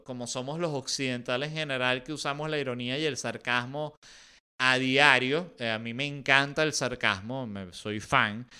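A man's voice: mid-range voice, pushed and bright, clear, resonant tone. A man with a Venezuelan accent hosting a podcast, talking in a casual, sarcastic comedic monologue and swearing freely. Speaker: podcast host.

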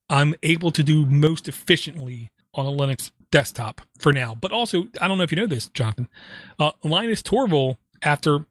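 A man's voice: a little high, dry recording. Opinionated man on a dry mic. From Ireland. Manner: animated, opinionated, fast bursts with fillers. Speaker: podcast co-host. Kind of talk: casual tech podcast chat.

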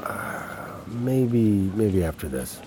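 A man playing an affable middle-aged father and security chief in a naturalistic audio drama, gently coaxing as he talks. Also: fairly low pitch, very animated, very slow, background noise, full character voice. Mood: affable, easygoing.

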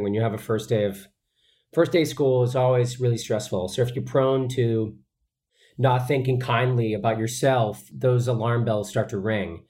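A man's voice: mid-range voice, dark tone. A man, an actor, answering interview questions in an earnest, chatty way, with many fillers and restarts. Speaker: actor guest.

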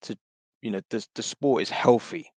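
A man with a hoarse voice, a podcast panelist talking in a rambling, casual way full of fillers and restarts. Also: mid-range voice, normal speed, a little mellow, dry recording. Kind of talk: casual chat.

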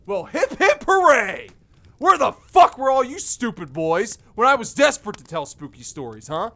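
A man's voice: a little high, animated, measured pace, fairly bright tone. A man playing an exasperated, foul-mouthed character called old man, ranting sarcastically.

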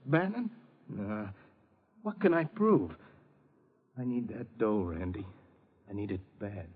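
An actor playing a tough, broke prizefighter in a 1950s radio drama, husky-voiced and full of streetwise slang. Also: male voice, lowish voice, lively intonation, slow pace, exaggerated voice. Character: tough, broke male prizefighter, worried father. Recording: dull old radio broadcast.

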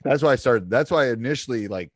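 A man's voice: mid-range voice, expressive, fast talker, breathy edge, no room sound, studio quality. A man co-hosting a youth basketball podcast, chatting casually in a jokey, self-mocking way with lots of restarts and asides. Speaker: podcast co-host, basketball coach. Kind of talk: casual chat.

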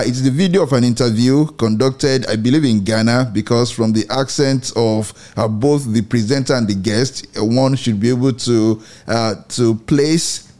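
A middle-aged man hosting a Christian radio commentary show, speaking in a measured, earnest way and often repeating his phrases. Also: medium pitch, a little mellow.

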